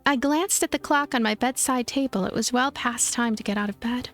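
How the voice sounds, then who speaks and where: A woman's voice: fairly high pitch, fairly quick, fairly bright tone. A woman narrating a visual novel as a let's play host, reading the story expressively. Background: background music.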